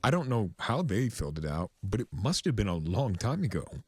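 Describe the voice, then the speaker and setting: A man's voice: on the low side, very animated, a little fast, a little mellow, breathy edge, no echo, voice pushed up. A man voicing a timid, flustered male pegasus clerk in a cartoon fan story, hesitant, polite and literal. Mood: apologetic. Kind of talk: cartoon fan fiction reading.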